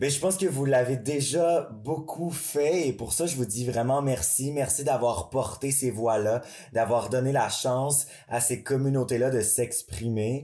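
The voice has a dark, mellow tone, somewhat breathy, moving at a fairly slow pace with ordinary pitch variation. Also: man, medium pitch for a man. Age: 20s. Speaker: actor. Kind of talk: interview.

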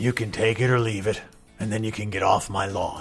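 A man in a put-on character voice at a medium pitch, flat and monotone, at a fairly quick pace over background music. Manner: grumpy, gruff.

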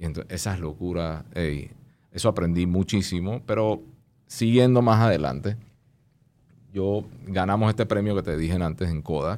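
A man with a very deep, low pitch and a dark, mellow tone speaks at a moderate pace with ordinary pitch variation and long, frequent pauses. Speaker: advertising entrepreneur. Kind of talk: casual interview. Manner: animated.

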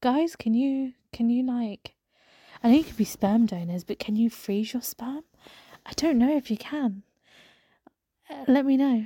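A woman with a fairly high pitch speaks at a fairly slow pace in a somewhat breathy voice with a dark, mellow tone and ordinary pitch variation, recorded dry and close with no echo. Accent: British. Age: 30s. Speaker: podcast host. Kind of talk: casual monologue.

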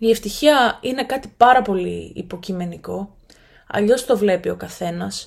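On a very clean recording with a silent background, a woman talks at a fairly slow pace with big swings in loudness. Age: 20s. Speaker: podcast host. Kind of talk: solo monologue podcast.

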